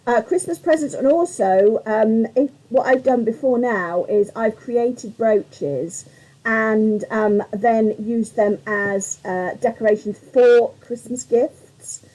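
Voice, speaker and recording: Mellow, slightly croaky woman. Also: fairly high pitch, slow, low-quality recording. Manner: rambling and chatty, greets viewers by name. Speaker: craft tutorial host on a live stream. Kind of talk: chatty live craft demonstration.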